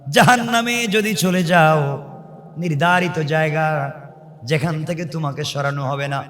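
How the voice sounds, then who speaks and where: High-voiced fervent male preacher, reverberant. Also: unhurried, a bit bright. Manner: fervent, rising to high chanted cries and sung Arabic recitation. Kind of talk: Bengali waz sermon.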